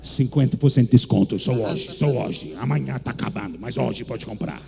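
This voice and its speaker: A man's voice: lively intonation, moderate pace, creaky, a crowd in the background. A man playing a boastful preacher who hawks his anointing in a pompous, theatrical sermon parody. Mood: hard selling. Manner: pompous, theatrical sales pitch.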